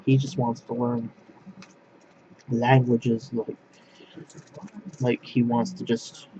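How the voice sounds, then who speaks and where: A man from northwest Pennsylvania, talking to camera in a halting, rambling monologue that keeps restarting its phrases. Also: medium pitch, flat delivery. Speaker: language vlogger. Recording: dull lo-fi sound with clear background noise.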